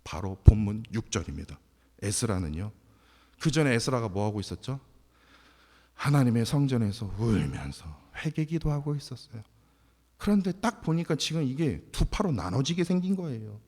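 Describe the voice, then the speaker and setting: A man preaching a sermon as pastor, animated, jumping from loud outbursts to hushed near-whispers. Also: medium pitch, moderate pace. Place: church sanctuary. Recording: long hall reverb.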